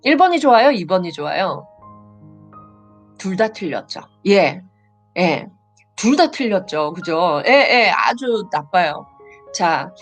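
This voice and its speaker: A woman giving a live lecture on family communication, talking emphatically, repeating her points and dropping in frequent short affirmations. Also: medium pitch. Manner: animated, emphatic, acts out example dialogues and repeats points; frequent affirming "yes" fillers.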